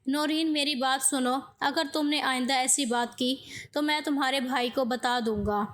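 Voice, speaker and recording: A woman voices a reserved young man in a spoken storybook, stern and distant, who turns everything down in short, firm sentences. The voice sits high and bright despite the male part. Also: fairly even intonation. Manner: curt, firm refusals.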